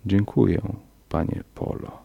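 A man voicing a cringing, enslaved male demon who speaks low, bitter and subdued in a horror audiobook. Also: a little slow, dark tone, muffled recording, lightly acted. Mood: grudging.

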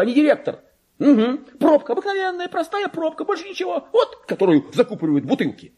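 An actor playing a deluded petty clerk who believes himself a king, in a theatrical radio monologue with a husky, grandiose and erratic delivery. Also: heavily acted. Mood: scornful, excited. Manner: grandiose, erratic, swinging from hushed confiding to shrill outbursts.

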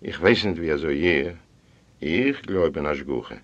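A man reading a story aloud in the first person, expressive and swinging between hushed and loud passages. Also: rumbling low, measured pace. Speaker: audiobook reader. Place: library recording room. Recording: dull lo-fi audio.

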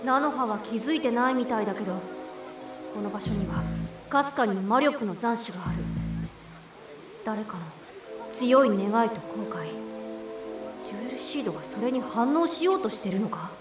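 Actress as considerate young boy, earnest, high voice, anime drama, reverberant sound, background music. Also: expressive, moderate pace, pauses often, close to an everyday voice. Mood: pensive. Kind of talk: anime audio drama acting.

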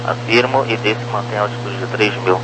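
A man's voice: on the low side, brisk. A man working as an air traffic controller, giving clipped procedural instructions in number-heavy phraseology over a crackly radio. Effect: crackly aviation radio. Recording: crackly humming aviation radio transmission.

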